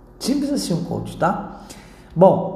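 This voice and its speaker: With an animated tone and lively intonation, a man speaks at a moderate pace amid audible room echo. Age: 40s. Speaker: leadership coach. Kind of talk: workshop talk. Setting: meeting room with small live audience.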